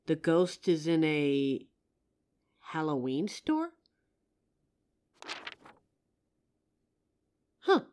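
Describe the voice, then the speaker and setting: A woman's voice: low voice, very animated, takes it slowly, darkish tone, slight background noise, heavily acted. A woman playing a young psychic, earnest, confident and helpful, in a scripted roleplay audio drama. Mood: musing. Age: young adult. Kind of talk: scripted roleplay audio acting, addressing the listener.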